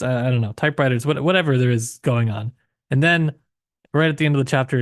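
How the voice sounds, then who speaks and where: A man's voice: medium pitch, no room sound, clean studio sound. A man co-hosting a podcast, discussing a book casually and reflectively, often searching for his words. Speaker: podcast co-host.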